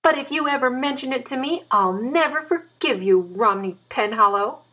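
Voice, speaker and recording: A man reading a story, voicing a proud, quick-tempered grown woman in a raised voice with a sharp, scolding manner. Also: extremely high pitch, lively intonation, pitched above the performer's own voice, exaggerated voice. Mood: teasing.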